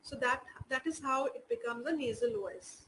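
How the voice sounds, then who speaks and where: A woman's voice: a little high, moderate pace, a bit bright. A woman teaching an online class in Indian English, explaining patiently with many "you know" fillers.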